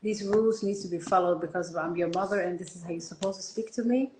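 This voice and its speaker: A woman talking in a relaxed, reflective way, often trailing off softly. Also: fairly low pitch, quick pace, roomy sound, low-quality recording. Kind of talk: casual conversation.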